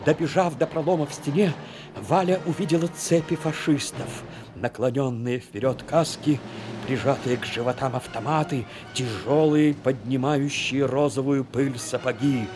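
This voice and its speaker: A man's voice: medium pitch, moderate pace, background noise. A man reading scripted literary narration for a dramatic audio play. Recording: music under the voice.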